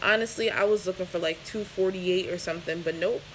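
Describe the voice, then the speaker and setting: Against noticeable background noise, a woman speaks at a moderate pace and medium pitch with fairly even intonation. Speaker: vlogger. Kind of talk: casual vlog monologue. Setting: at home, baby sleeping nearby. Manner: hesitant, many fillers; loud.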